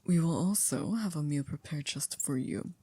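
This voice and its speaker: A woman playing a poised, coolly controlling maid to a vampire in an ASMR roleplay, speaking formally and politely in a hushed, breathy, often near-whispered voice. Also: deep voice, dry recording. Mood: courteous, composed. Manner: formal, polite, measured, with stiff wording.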